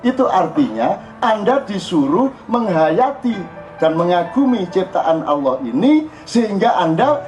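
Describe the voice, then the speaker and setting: An older man with a Javanese accent giving an informal religious talk, jokey and animated. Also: high-pitched, unhurried. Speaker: religious speaker. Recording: dull lo-fi recording with faint music.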